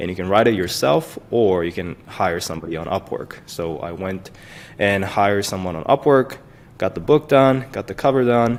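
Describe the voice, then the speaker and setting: A man is speaking. His pitch is very deep and low. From grew up abroad, moved to Hawaii at fourteen. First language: not English. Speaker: self-publishing entrepreneur. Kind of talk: interview. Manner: casual, many fillers.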